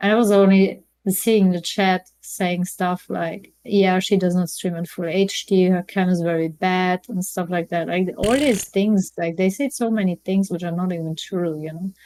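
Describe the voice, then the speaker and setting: On a very clean recording with a silent background, a woman with a non-native accent speaks at a medium pitch in a dark, mellow tone, with fairly even intonation and hardly any pauses. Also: moderate pace. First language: not English. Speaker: gaming streamer. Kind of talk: casual interview.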